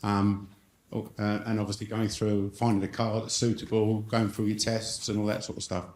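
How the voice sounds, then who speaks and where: A man's voice: on the low side, little pitch movement, normal speed, a little mellow, reverberant, slight background noise. A man in the audience asking a friendly, rambling question. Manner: friendly, rambling, repeats himself.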